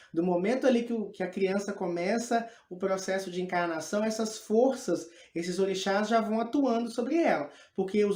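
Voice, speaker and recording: In a room with audible echo, a man talks at a moderate pace in a high pitch with ordinary pitch variation. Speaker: Umbanda priest and teacher. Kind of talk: lecture. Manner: casual, conversational.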